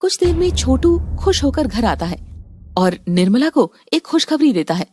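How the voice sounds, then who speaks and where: A woman narrating a scripted animated family story in a calm, even storytelling tone. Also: high voice, moderate pace, a little hiss or hum.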